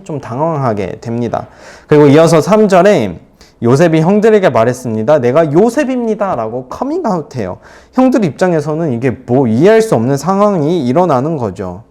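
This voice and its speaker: Man, youth pastor, lively expressive sermon, fairly high voice. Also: fairly quick. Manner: expressive, acts out quotes, playful asides. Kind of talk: youth sermon retelling a Bible story.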